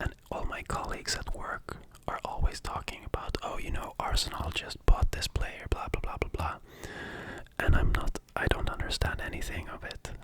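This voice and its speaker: A man whispering at a moderate pace over noticeable background noise. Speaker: ASMR artist. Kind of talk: whispered ASMR Q&A ramble.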